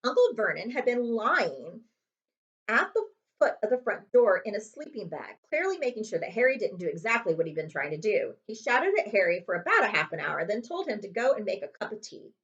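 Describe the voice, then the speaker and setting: A woman reads a children's story aloud in a librarian's storytime manner. Her pitch moves in big, animated sweeps with dramatic emphasis, and the recording sounds a little dull and lo-fi. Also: brisk. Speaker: librarian reading aloud to students. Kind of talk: children's chapter book read-aloud.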